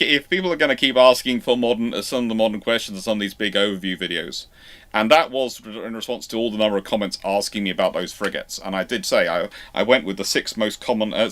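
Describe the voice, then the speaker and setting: A man hosting an unscripted livestream, answering questions in a halting, rambling way with repeated and restarted phrases. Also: fairly low pitch, fairly bright tone. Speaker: host of a naval history livestream.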